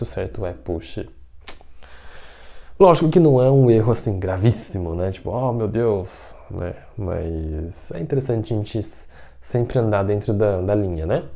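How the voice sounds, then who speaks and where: A man teaching a language lesson online, explaining patiently step by step, slowly repeating example phrases and often checking in with the viewer. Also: lowish voice, vocal fry, dark tone. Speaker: Mandarin teacher.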